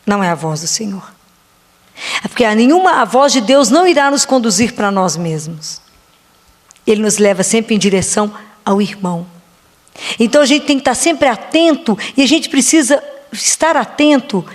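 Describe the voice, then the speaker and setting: A woman giving a slow, reflective devotional sermon, often asking rhetorical questions. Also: fairly high pitch, expressive. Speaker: preacher. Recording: long hall reverb.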